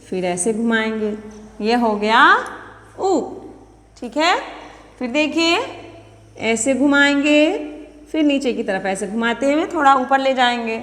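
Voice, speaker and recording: A woman's voice: sits high, a bit bright, long reverb tail. A woman teaching young children to write letters, patiently repeating each step and asking them questions. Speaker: nursery teacher.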